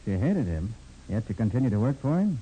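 Casting: man as cool forties radio sleuth, commanding, probing, deeply muted timbre, light broadcast noise. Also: very animated, a little fast, mellow, close to an everyday voice. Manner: terse, questioning, authoritative. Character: cool, commanding male private detective, probing and brisk. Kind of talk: 1940s radio crime drama acting. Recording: faintly noisy old radio broadcast.

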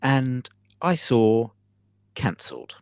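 A man co-hosting a podcast, telling a story theatrically with many pauses and fillers. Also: medium pitch, very animated, clean tone, no echo, clean studio sound. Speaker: podcast co-host. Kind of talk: casual chat.

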